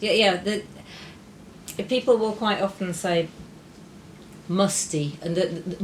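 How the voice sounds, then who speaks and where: With a northern English accent, a woman speaks fairly slowly at a medium pitch with ordinary pitch variation. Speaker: perfume discussion participant.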